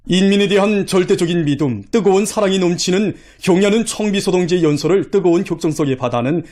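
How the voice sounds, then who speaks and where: A man's voice: high voice, quick pace, darkish tone. North Korean man reading state news. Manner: stately, emphatic delivery. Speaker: news narrator. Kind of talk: formal broadcast news narration.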